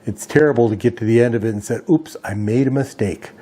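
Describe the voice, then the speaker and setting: A man's voice: medium pitch, quick pace, warm tone, husky. A man hosting a hobby radio video, giving an informational briefing in a methodical, itemizing way. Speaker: host of a ham radio video channel.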